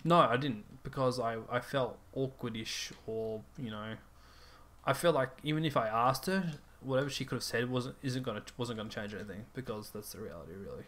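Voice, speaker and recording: A man's voice: mid-range voice, a little fast, a bit bright. A young man co-hosting a podcast, tired after work, rambling and laughing as he chats. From Australia. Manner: rambling, laughs often, self-restarting. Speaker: podcast co-host. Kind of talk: casual chat.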